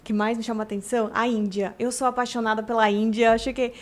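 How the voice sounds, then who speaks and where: Mexican woman speaking Portuguese, high voice. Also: level tone, fast talker. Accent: Mexican Spanish. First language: Spanish. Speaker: podcast guest, business consultant. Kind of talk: casual interview conversation.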